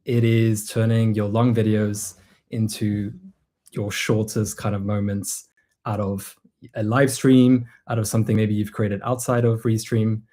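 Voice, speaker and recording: A man co-hosting a live stream who agrees warmly with his co-host and explains the product in an easy flow. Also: lowish voice, little pitch movement, a little slow. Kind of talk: casual live stream presentation.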